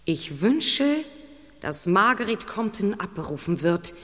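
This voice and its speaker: A woman's voice: fairly low pitch, expressive, measured pace, fairly bright tone. An actress playing a grave, vengeful woman in an occult circle, with theatrical, incantatory delivery in a radio play. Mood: grave, intent. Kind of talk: German audio drama acting. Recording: reverberant hall, music underneath.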